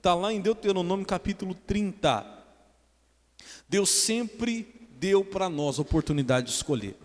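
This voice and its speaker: A man's voice: high voice, animated, a little slow, in a large hall. A man with a Brazilian Portuguese accent preaching a sermon as a pastor, mixing joking asides with earnest preaching. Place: church hall.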